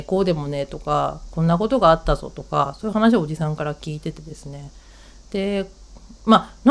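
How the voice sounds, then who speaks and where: A woman hosts her radio talk show alone, with a lowish voice that swings widely in pitch. She talks casually and bounces through a family story, putting on her relatives' voices as she goes. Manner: chatty, animated, acts out quoted relatives.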